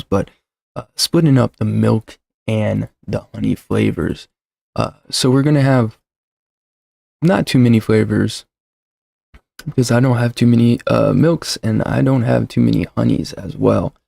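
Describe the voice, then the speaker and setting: Gravelly-voiced man rambling on a livestream. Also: on the low side, warm tone, no room sound, studio quality. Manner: rambling, self-deprecating, many fillers and restarts. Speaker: livestream host. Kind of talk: casual livestream chat. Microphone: desk mic with shock mount.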